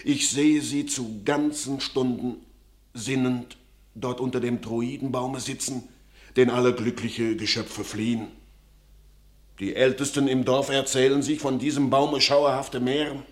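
A man performs an aging peasant father, pious and anxious, in a classical radio play. He speaks very deliberately at a middling pitch, with solemn declamation and a stern, foreboding temper. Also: fairly even intonation, lightly acted. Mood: brooding. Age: older.

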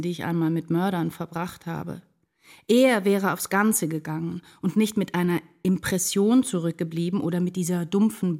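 Low-voiced, troubled woman writer played by an actress. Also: darkish tone, lightly acted. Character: troubled, introspective woman writer narrating her inner life. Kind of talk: literary radio drama monologue. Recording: music behind the voice.

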